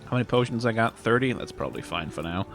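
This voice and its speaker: A man's voice: lowish voice, expressive, quick pace, over music. A man giving casual video game commentary, musing aloud to himself as he plays. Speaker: gaming streamer. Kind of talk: casual let's play commentary.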